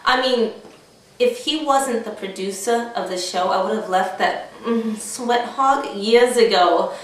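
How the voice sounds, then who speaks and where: A brassy, sardonic hostess acted by a woman in a comedy sketch, heard from a distance in a very echoey room. She speaks theatrically and without hurry, in a fairly high voice. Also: unhurried, close to an everyday voice. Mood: mocking. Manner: theatrical, chatty, mocking. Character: brassy, sardonic married woman hosting a talk show. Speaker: talk show host character. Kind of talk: comedy character sketch, mock talk show.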